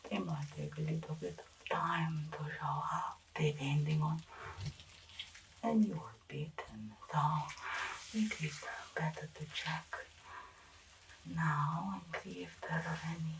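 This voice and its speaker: A woman playing an eccentric, fussy medical examiner in an ASMR roleplay, talking in a halting, rambling, repetitive and reassuring way. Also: deep voice, steady tone, gravelly, recorded from a distance, a little hiss or hum, heavily acted, low-quality recording. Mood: focused, quiet. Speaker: ASMR performer.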